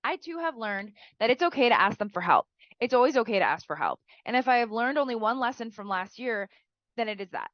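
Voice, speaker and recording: A woman's voice: on the high side, lively intonation, a little fast, no echo, dull audio. A woman teacher who is sick and sounds nasal, giving chatty writing feedback and often tagging "right?" onto her sentences.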